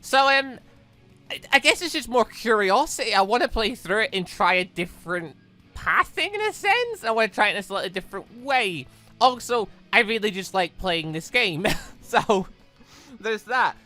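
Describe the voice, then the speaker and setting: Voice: mid-range voice, animated, normal speed, sharp tone, soft background music. A gaming YouTuber giving casual, rambling let's play commentary in a chatty way.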